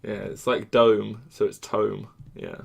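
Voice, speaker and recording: A man streaming a card game, talking casually to chat, often restarting and trailing off into quiet mutters. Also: mid-range voice, brisk, creaky.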